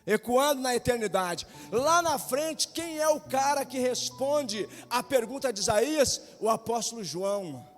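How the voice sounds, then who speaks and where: A man's voice: extremely high pitch, expressive, measured pace, hardly any pauses. A male pastor preaching an impassioned sermon, firing rhetorical questions at the congregation. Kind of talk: Pentecostal sermon. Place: church sanctuary. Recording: long church reverb, faint music.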